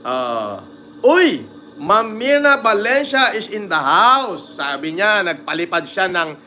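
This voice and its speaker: A man with a Batangas Tagalog accent hosting a livestream, giving shout-outs and reading viewer comments in a crude, teasing manner. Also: high voice, big pitch swings, slow pace, soft background music. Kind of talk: casual livestream chat.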